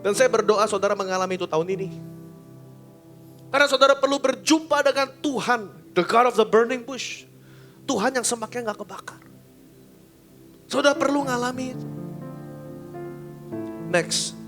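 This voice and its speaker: A man preaching a sermon as a pastor, talking in a lively, colloquial way with big swings in pitch and loudness. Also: moderate pace, long pauses, faint music behind. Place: church service.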